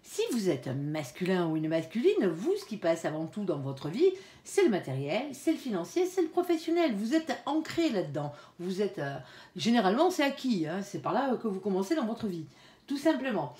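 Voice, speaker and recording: In an echoey room, a woman with a mid-range, sing-song voice gives a casual tarot reading at a normal pace. She chats with her viewers, peppering her talk with "hein" and "alors," and softly pleads with her guardian angel between cards.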